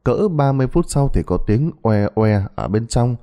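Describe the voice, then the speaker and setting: A man narrating a village tale for a ghost-story channel in an expressive storytelling manner. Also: medium pitch, normal speed, clear, resonant tone.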